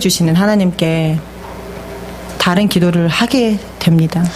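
The woman speaks at a fairly slow pace. Light background noise can be heard. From South Korea. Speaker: lay youth minister giving testimony sermon. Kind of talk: sermon with consecutive interpretation. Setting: church. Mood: earnest, emotional. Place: church.

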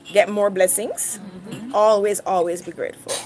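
A woman's voice amid noticeable background noise. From Kingston, Jamaica. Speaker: optical business owner. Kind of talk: casual chat. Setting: restaurant, live stream. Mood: reflective, sincere. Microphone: phone near.

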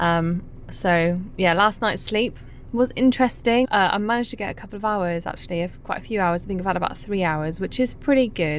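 Recorded dry with no echo and light background noise, a woman speaks at a moderate pace with ordinary pitch variation. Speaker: landscape photographer vlogger. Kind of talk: casual vlog chat. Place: car. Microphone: phone near.

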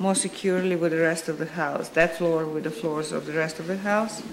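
Noticeable background noise fills the recording. Over it, a woman talks with ordinary pitch variation. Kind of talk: explanatory site commentary. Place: open country. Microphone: camera far.

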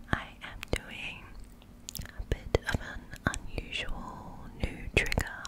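Someone is whispering. The pace is very slow. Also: woman. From Australia. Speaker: ASMR artist. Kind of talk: ASMR whispered personal attention. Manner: whispered. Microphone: studio mic.

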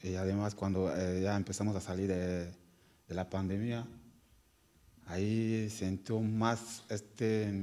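A man talks at a fairly low pitch with a dark, mellow tone. His intonation is monotone and flat. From Cameroon. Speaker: church community member. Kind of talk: testimony. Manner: halting; reserved. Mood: reflective, earnest. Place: studio. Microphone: handheld.

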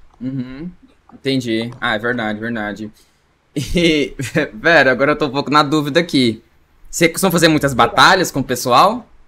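Bright and sharp in tone, a man speaks with a fairly high pitch and lively intonation. He leaves long, frequent pauses. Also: moderate pace. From Goiás, Brazil. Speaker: streamer. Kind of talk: casual chat. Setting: livestream.

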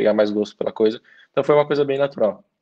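A quiet background surrounds the voice. Its tone is dark and mellow. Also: man. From Maringá, Paraná, Brazil. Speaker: Formula 2 racing driver. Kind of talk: interview, casual chat. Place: home room. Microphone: video call.

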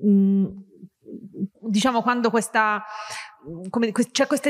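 A woman speaks with ordinary pitch variation. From Italy. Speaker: sociolinguist; moderator interviewing the author. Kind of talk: book presentation moderation. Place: hall. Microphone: handheld.

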